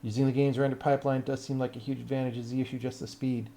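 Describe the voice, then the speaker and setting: A man's voice: medium pitch, level tone, fast, dark tone, slight background noise. Blunt American man chatting on stream. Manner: blunt, sweary, thinking aloud. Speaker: game developer and livestreamer. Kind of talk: casual livestream chat, explaining to viewers.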